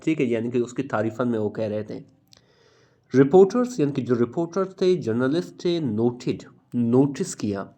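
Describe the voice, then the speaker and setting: A man with a South Asian accent teaching English, reading phrases slowly and deliberately, then explaining and repeating them in translation. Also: mid-range voice, a little mellow.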